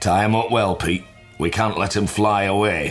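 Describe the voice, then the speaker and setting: A man puts on a gruff character voice, fairly low in pitch, at a moderate pace. Faint music plays in the background. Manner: loud.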